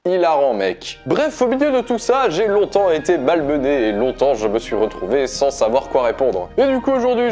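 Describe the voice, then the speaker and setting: A man hosts an energetic faith advice vlog, speaking directly and joking along the way. His voice sits fairly high and stays upbeat. Soft background music plays beneath him. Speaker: faith video host.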